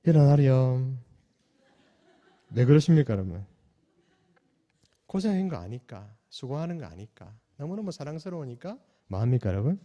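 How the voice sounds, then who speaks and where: A man preaching a sermon as pastor, asking the congregation questions and swinging between loud calls and soft, hushed lines. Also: medium pitch, sing-song, fairly quick, lo-fi sound. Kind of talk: sermon at a night prayer meeting. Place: church sanctuary. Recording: long church hall reverb.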